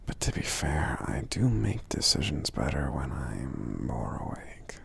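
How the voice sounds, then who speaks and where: A man voicing a gentle, sleepy, affectionate giant in a soft-spoken ASMR roleplay, murmuring slowly and hesitantly in a gravelly half-whisper. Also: very deep voice, very animated, full character voice. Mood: tired, reassuring. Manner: slow, hesitant, murmuring with frequent hums.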